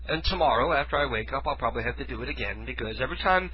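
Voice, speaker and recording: A man talks fast with lively intonation in a mid-range voice, rambling casually and self-deprecatingly on the internet radio show he hosts from his living room while fighting a head cold. He uses a studio mic with headphones, but the recording is muffled and carries a little hiss or hum.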